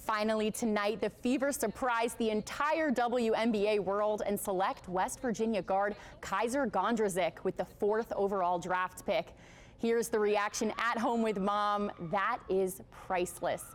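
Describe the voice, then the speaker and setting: A woman's voice: medium pitch, fairly even intonation, measured pace. A woman with an American accent reading a scripted sportscast as anchor.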